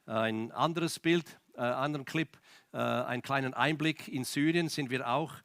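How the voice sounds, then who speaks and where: A man preaching in church, telling stories in an animated way with restarts. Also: mid-range voice, normal speed, vocal fry, no echo, studio quality. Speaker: guest preacher. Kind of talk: sermon with storytelling.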